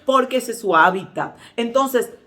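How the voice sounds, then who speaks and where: A woman's voice: on the high side, moderate pace. Dominican woman pastor preaching. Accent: Dominican Spanish. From Dominican Republic. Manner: lively storytelling, acts out quoted voices. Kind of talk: sermon with personal stories.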